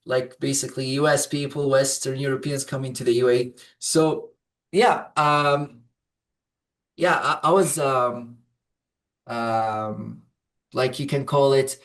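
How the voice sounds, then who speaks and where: A man's voice: medium pitch, fairly even intonation, slow pace, far from the mic. Hesitant Arabic-speaking man. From Saudi Arabia. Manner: hesitant, many fillers and restarts. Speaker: program client, English teacher. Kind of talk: interview answers.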